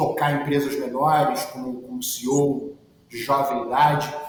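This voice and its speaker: There's audible room echo and noticeable background noise as a man speaks. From Brazil, Rio de Janeiro. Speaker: company executive. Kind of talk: podcast interview.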